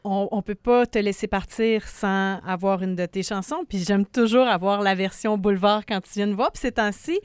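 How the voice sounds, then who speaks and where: A woman's voice: mid-range voice, fairly even intonation, moderate pace, hardly any pauses, clear, resonant tone, no room sound. A woman with a Saguenay–Lac-Saint-Jean Quebec French accent, hosting a radio show in the studio, upbeat and promotional. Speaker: radio host. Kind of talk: casual radio interview.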